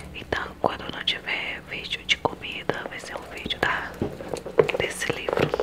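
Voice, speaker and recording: Someone is whispering. The pace is fairly slow. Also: woman. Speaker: ASMR channel host. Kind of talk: casual talk to camera. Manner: whispered. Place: home room. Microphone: studio mic.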